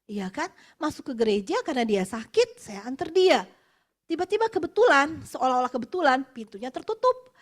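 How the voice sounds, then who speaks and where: This woman from West Java, Indonesia, in her 40s, shares a personal testimony sermon at a workplace worship meeting, her voice sitting high and moving fairly quickly. She keeps it chatty and expressive, laughing between points and slipping in English phrases.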